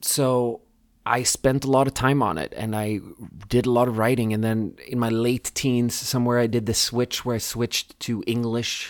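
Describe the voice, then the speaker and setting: A man with a Swedish accent at medium pitch, moderate pace and monotone, flat intonation. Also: very clean recording, silent background. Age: 30s. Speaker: podcast host. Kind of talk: casual monologue. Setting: home studio.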